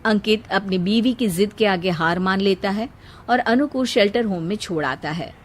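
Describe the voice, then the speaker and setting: A woman giving scripted narration for a moral bedtime story, in an even storytelling manner. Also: mid-range voice, moderate pace.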